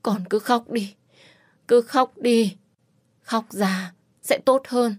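A woman voicing an older, kindly household servant who speaks gently and consolingly in an audiobook. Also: fairly low pitch, moderate pace, no echo, studio quality, lightly acted.

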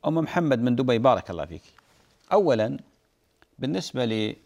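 A man's voice: medium pitch, very animated, quick pace, vocal fry, a little mellow. A man, a sheikh answering listeners' religious questions and repeating key points for emphasis.

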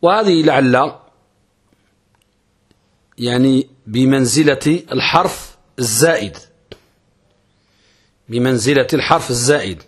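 A man's voice: mid-range voice, husky. A man giving a grammar lesson, explaining step by step and putting questions to himself before answering them. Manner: chants verse slowly. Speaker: sheikh teaching Arabic grammar.

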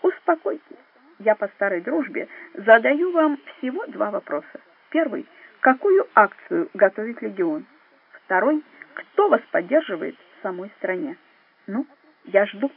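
A woman playing a cool, quiet secret agent. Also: sits high, big pitch swings, gravelly, husky, heavily acted. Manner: quiet, measured, mocking. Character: calm, cold-blooded male secret agent. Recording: narrow phone-like band.

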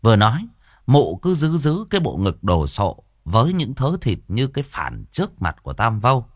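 A man telling a comic folk tale in a lively, mocking way. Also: medium pitch, moderate pace, dry recording. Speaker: storyteller. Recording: dry close voice.

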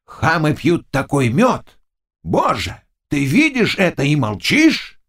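A man voicing a swaggering, hot-tempered old nobleman who bellows and scolds gruffly in an audiobook. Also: a little high, huge pitch swings, slow, a bit bright, voice pushed up, full character voice. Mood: grumbling. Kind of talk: audiobook character voice.

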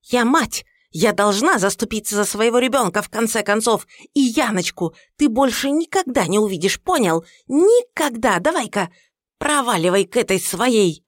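Woman doing a bossy older mother-in-law, high and loud, scolding nonstop, dry close voice. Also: animated, moderate pace, no echo. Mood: furious. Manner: scolding, indignant, shrill. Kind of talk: audiobook character reading.

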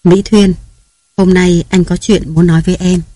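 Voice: mid-range voice, level tone, normal speed, dark tone, close to an everyday voice. The narrator voicing a troubled husband and father who answers in subdued, hesitant replies.

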